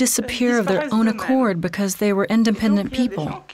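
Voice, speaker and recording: Noticeable background noise surrounds a woman speaking at a moderate pace with a medium pitch. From Slovenia, rural mountain farm. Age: 60s. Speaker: interviewee recounting life under communism. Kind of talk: testimony.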